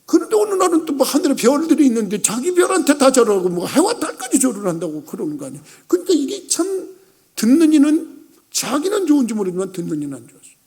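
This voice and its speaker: A middle-aged male pastor preaching a sermon, telling a Bible story and acting out the characters' lines, swinging between loud and hushed. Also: very high-pitched, very animated, quick pace. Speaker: senior pastor.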